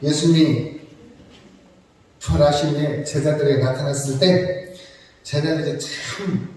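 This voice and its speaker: A man's voice: fairly high pitch, fairly even intonation, unhurried, a little mellow, slight background noise. A man preaching a sermon, talking to the congregation conversationally with joking asides and rhetorical questions. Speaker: pastor. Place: church sanctuary. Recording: echoey church hall from far off.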